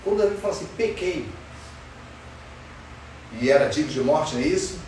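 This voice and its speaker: A man leads a Bible study and keeps putting questions to the class in a high, lively voice. He sounds far from the mic, in a very echoey room with faint background noise. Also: fairly quick. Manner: asks the class questions, animated and emphatic. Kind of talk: Sunday school Bible lesson.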